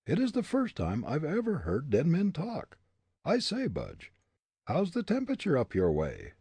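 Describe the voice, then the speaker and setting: Male reader doing a proud young prisoner, raised pitch, husky. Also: wildly swooping pitch, moderate pace, dark tone, no room sound, full character voice. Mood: wry. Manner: proud, scornful.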